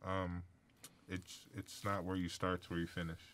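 A man's voice: low voice, monotone, slow pace, a bit bright, slight background noise. A man and professional basketball player chatting easily in a radio booth, laid-back and giving advice with examples. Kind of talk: casual chat in English.

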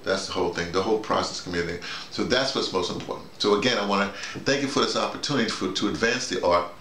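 A man's voice: fairly low pitch, fast talker. Older American man, echoey room. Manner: digressive, self-quoting, animated storytelling. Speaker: theater director and workshop leader. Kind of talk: informal debrief, rambling explanation. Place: small bedroom, indoors. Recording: echoey room with faint noise.

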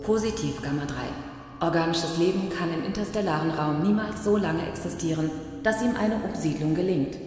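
Woman doing stern moral female ai, sci-fi radio play, formal lecturing, lowish, super echoey. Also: a little mellow, lightly acted. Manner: formal, measured, admonishing. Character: principled female-voiced archive machine, swarm's moral authority. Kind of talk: science fiction radio play acting. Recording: heavy echo and reverb, faint music.

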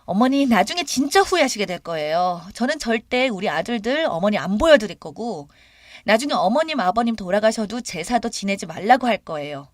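Brash young daughter-in-law, as a woman puts her on, whiny, entitled, sharp, close dry sound. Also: mid-range voice, sing-song, fairly quick, no echo, natural voice. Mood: indignant.

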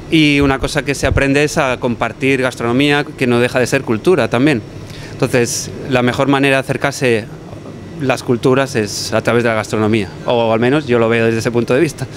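Young man, chef, relaxed and thoughtful, restarts phrases, handheld mic, faint kitchen ambience. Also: mid-range voice, a little hiss or hum. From Barcelona, Spain. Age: young adult. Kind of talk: TV interview answers. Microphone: handheld mic held by interviewer.

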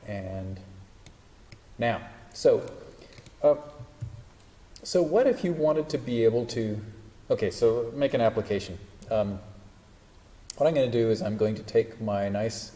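A man's voice: lowish voice, dark tone. A man giving an informal university lecture with live demonstrations, correcting himself as he goes and joking dryly. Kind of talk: classroom lecture with live demos. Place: lecture hall. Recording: roomy lecture hall echo, faint hiss.

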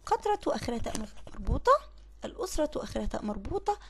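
Egyptian woman teaching a slow lesson. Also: high-pitched, big pitch swings, a bit bright, a little hiss or hum. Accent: Egyptian Arabic. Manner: asks questions and answers them herself, repeats words slowly. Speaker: primary school Arabic teacher. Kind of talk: recorded classroom lesson explaining a reading text.

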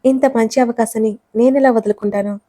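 A woman's voice: a little high, fairly even intonation, a little fast, dark tone, no room sound, natural voice. A woman voicing a teasing young man. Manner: teasing and coaxing.

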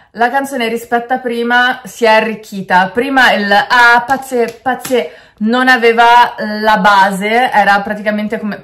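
A woman's voice: mid-range voice, fairly bright tone. A young Italian woman reacting to a music video, gushing, stammering and singing along. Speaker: kpop reaction youtuber. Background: music playing.

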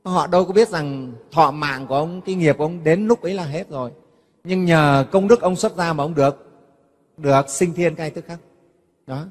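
In a big-room sound, a man with a slightly high voice delivers a Buddhist sermon at a normal pace. As a monk giving a dharma talk, he chats with his listeners and frequently asks "nghe không?" to make sure they're following.

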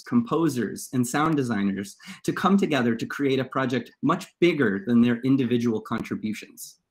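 Man moderating a panel, measured mid pitch. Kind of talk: reading scripted introductions, moderating a panel.

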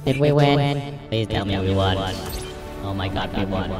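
A man's voice: lowish voice, moderate pace. A man commentating on his shooter game, his voice run through an echoing voice changer. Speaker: gamer. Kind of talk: gameplay commentary. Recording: echoey, distant, loud game music behind.

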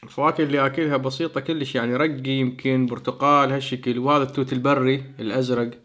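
In a small home studio, a man in his thirties with an Iraqi Arabic accent hosts a food challenge for a casual eating vlog, chatting between mouthfuls. He talks very fast in a medium-pitched, fairly bright voice that barely rises or falls.

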